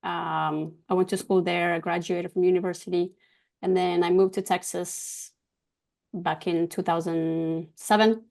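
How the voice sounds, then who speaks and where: A woman from Argentina whose first language is Spanish, a guest talking about her business in an interview, pausing often with ums and restarts. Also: on the low side, little pitch movement, creaky, darkish tone. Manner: hesitant, many ums and restarts. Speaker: guest, cybersecurity business owner. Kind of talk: casual interview talk.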